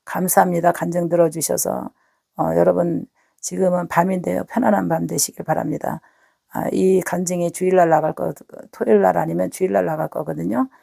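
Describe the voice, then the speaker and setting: Hoarse gravelly woman pastor. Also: on the low side, fairly even intonation, fairly quick, dark tone, dry recording. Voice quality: husky, gravelly. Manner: earnest, repeats words, talks to listeners directly. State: hoarse from a cold. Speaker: pastor giving a testimony. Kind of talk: spoken testimony to online viewers.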